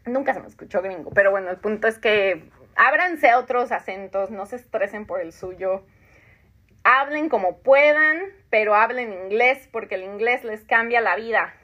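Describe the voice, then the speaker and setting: Heard through lo-fi sound, a woman with a mid-range voice speaks at a moderate pace. She's a Mexican podcast host in her thirties, chatting casually, reading listener comments aloud and answering them while laughing often.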